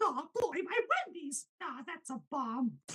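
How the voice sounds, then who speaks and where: Pitched high, someone puts on a character voice at a moderate pace. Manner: cheerful, cartoonish.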